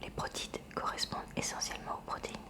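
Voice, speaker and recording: Female, library whisper, ASMR read-aloud, textbook narration, hushed, measured, careful enunciation. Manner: whispers throughout, library-style hushed reading.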